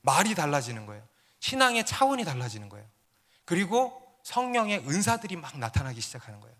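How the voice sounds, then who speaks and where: A man's voice: fairly high pitch, big pitch swings, fast, a bit bright. A man, a pastor, preaching a sermon, telling stories and building to emphatic peaks. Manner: storytelling, rising to emphatic peaks.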